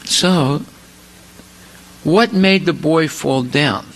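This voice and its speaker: Man, scripture lecture, emphatic, rhetorical questions, gravelly, bright. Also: fairly high pitch, lively intonation, very slow, low-quality recording.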